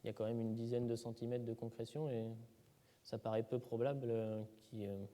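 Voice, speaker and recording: A man's voice: mid-range voice, level tone, fairly quick, dark tone. A man presenting excavation results at a seminar, hesitant, with many fillers and restarts. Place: lecture hall. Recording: reverberant lecture hall.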